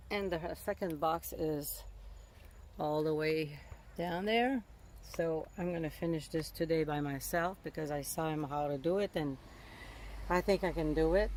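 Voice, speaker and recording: A woman's voice: low-pitched, darkish tone, slight background noise. A woman from Montreal with a Québécois French accent, a native French speaker, chatting casually as a vlogger and often searching for words and rephrasing. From Montreal, Canada. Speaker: vlogger documenting a van build. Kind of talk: casual vlog chat.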